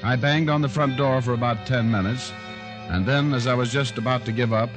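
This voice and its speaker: An actor playing a sarcastic private detective who also narrates, in a 1940s-style radio drama over music. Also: male voice, mid-range voice, brisk, close to an everyday voice. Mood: narrating. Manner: wry, sarcastic. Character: wisecracking male private eye narrator. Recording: music underneath.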